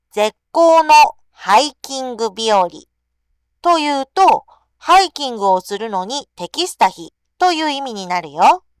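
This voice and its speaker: A woman does a cartoonish character voice, high in pitch with very wide pitch swings and big swings in loudness. The sound is dry and close, with no echo. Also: fairly slow pace. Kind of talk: language lesson explanation. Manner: clear, patient.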